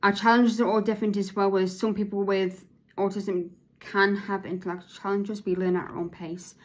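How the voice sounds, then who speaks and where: A woman hosting her own podcast, speaking about her life with autism in a halting way, with many restarts, and at times in a monotone. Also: medium pitch. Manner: says her voice is sometimes monotone; halting, with frequent restarts and repeated words. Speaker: podcast host. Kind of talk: personal monologue about autism.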